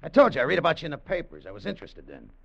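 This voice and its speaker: A cocky streetwise gambler. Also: male voice, a little high, huge pitch swings, vocal fry, fairly bright tone, no echo, full character voice. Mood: pushy. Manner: fast-talking, cocky, pushy. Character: brash gambler turned sailor, tough streetwise man. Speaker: narrator and lead. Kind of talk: 1940s radio acting. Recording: dull old radio broadcast.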